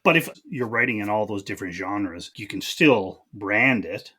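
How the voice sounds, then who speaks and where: Guy hosting a podcast, bit low and husky, casual agreeable interview chat. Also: lively intonation, normal speed, pushed and bright.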